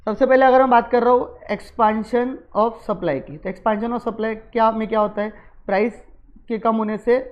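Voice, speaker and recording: A man's voice: high voice, steady tone, unhurried, lo-fi sound. A male economics teacher giving a recorded lecture in a conversational way, often checking whether his students have understood.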